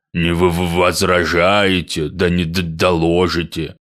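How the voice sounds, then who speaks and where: In a put-on character voice, a man speaks fairly slowly, very deep and low, raspy and monotone in a flat intonation. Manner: mocking, mimicking.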